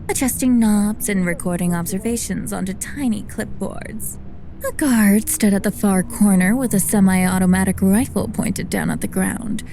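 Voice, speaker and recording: A woman playing a dry, clinically amused senior scientist, narrating an audio drama in an articulate, deadpan way. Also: medium pitch, background noise, natural voice. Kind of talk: scripted first-person audio drama narration.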